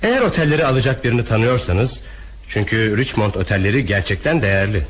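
A man's voice: fairly low pitch, animated, fast talker, breathy edge. A man acting a formal, controlled and unbending banker in a crime radio drama. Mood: firm, formal. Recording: faintly noisy radio drama recording.

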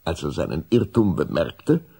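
A man narrates a children's story in a low, creaky voice. His delivery is animated, with wide swings in pitch, in the manner of a scripted audio drama. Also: moderate pace.

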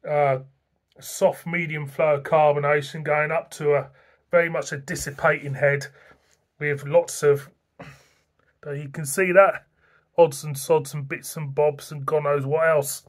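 A man's voice: a little high, level tone, measured pace. A middle-aged man reviewing a beer to camera in a casual, rambling, plain-spoken way, recorded in a small room at home.

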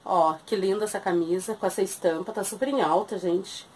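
A woman's voice: medium pitch, brisk, a little mellow, breathy edge. A woman in her thirties with a southern Brazilian accent, chatting casually as she shows and prices secondhand clothes in a small shop. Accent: southern Brazilian Portuguese. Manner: chatty, keeps calling viewers "gente". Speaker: thrift shop seller. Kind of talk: casual sales video.

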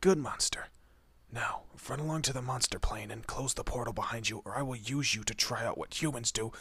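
A man playing a fiercely protective monster in a horror roleplay, with a husky, breathy voice and an intense, deliberate manner. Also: mid-range voice, fairly bright tone, no echo. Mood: taunting, threatening. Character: protective male monster, menacing to foes, tender to his human. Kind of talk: dramatic horror roleplay audio.

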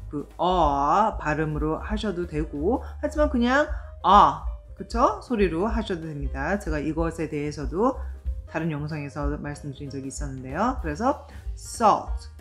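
Woman pronunciation coach, lowish voice, drawn-out model words, soft music bed. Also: animated. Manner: slow, exaggerated model pronunciations with explanations. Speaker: speech therapist and English pronunciation teacher. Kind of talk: pronunciation lesson. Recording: faint background music.

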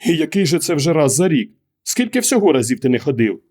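A man's voice: on the high side, very animated, fairly quick, darkish tone, voice pushed up. A man reading an audiobook, raising his voice to play an anxious, exasperated wife who keeps pressing her husband with questions. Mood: alarmed. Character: anxious middle-aged wife, exasperated and pleading. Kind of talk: audiobook character voice.

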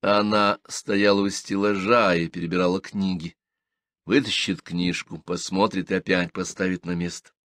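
A man's voice: deep voice, little pitch movement, moderate pace, fairly bright tone, dry recording. A man reading a literary story aloud in first person, expressively. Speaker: audiobook reader.

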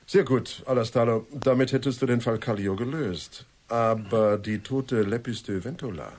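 An actor in a German radio play playing a sceptical friend who questions things with wry amusement. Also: male voice, medium pitch, normal speed, darkish tone, natural voice. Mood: probing. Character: sceptical male friend, probing, wryly amused.

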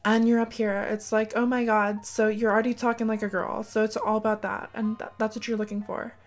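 A man doing an impression of a bubbly young valley-girl woman, energetic and playful. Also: high voice, fairly quick, pitched above the performer's own voice. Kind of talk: voice impression demo.

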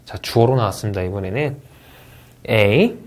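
A man delivers a recorded test-prep English lecture. His pitch swings widely as he talks, and he draws out the English practice words slowly and deliberately. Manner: lively, animated delivery, stretching out English model words slowly.

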